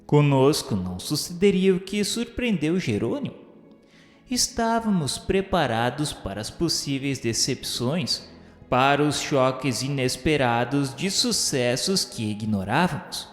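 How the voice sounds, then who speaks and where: Male narrator, Brazilian, measured and literary radio storytelling, heavy echo over a music bed. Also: mid-range voice, sing-song. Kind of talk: scripted dramatic radio narration. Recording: echoey hall reverb under music.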